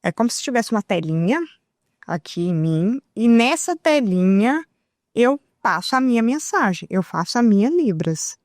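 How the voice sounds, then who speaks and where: A woman with a Brazilian Portuguese accent, a talk show guest, explaining lively and demonstrating examples as she talks. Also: a little high, moderate pace, dry recording, studio quality. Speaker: guest, sign language interpreter.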